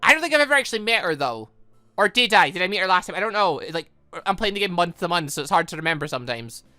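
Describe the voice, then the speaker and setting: A gaming YouTuber with a very animated, swooping delivery gives rambling playthrough commentary, thinking aloud. The voice is bright and sits close and dry, with game music playing softly behind it. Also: mid-range voice, fast talker, dry recording. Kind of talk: playthrough commentary, reading visual novel dialogue aloud.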